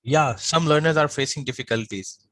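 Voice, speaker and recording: A man's voice: fairly high pitch, normal speed, fairly bright tone, no echo. A man co-hosting an online class on a video call, giving brief, agreeable replies. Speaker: class co-host. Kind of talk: casual chat on a video call.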